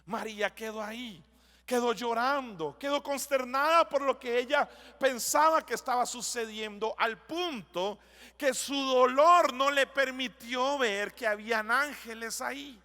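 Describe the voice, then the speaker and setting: Guy pastor preaching, bright sharp tone, lots of echo from a big church. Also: extremely high pitch. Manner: reads scripture slowly, then preaches with rising intensity. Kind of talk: sermon. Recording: long church hall reverb.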